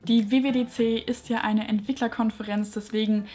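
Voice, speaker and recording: A woman's voice: on the high side, fairly even intonation, a little fast, warm tone, soft background music. A woman in her twenties, a tech YouTuber, gives a chatty, lightly opinionated recap of tech news straight to camera in a small room at home.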